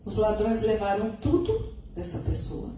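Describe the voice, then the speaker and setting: A middle-aged woman giving a conversational spiritist lecture, her voice still a little hoarse. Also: mid-range voice, expressive, a little slow, dark tone, recorded from a distance. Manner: conversational, adds tag questions. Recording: echoey room, recorded from afar, noisy.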